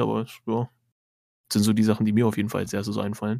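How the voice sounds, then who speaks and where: Rushing at a very fast pace, a man talks in a medium pitch. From Lower Saxony, Germany. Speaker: podcast co-host. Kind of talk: casual chat. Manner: halting.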